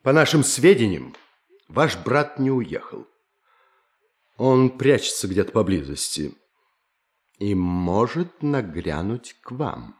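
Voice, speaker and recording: Low-voiced, curt detective. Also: male voice, big pitch swings, takes it slowly, pauses often. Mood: matter-of-fact. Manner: matter-of-fact, curt. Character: brisk, impatient, businesslike male detective. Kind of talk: Russian audio drama acting.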